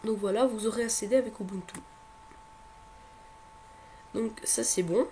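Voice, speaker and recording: Speaking at a measured pace in a high, warm voice, a man with a head cold demonstrates a computer task in a screen-recording tutorial. His talk is hesitant and full of fillers, with repeated words and restarted sentences, over a faint hum.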